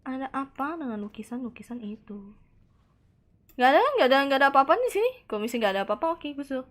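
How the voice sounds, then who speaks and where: Streaming a horror game live, a woman gives excited gameplay commentary, reacting out loud, answering her chat, and slipping in Japanese words. Her voice is high and her pace quick.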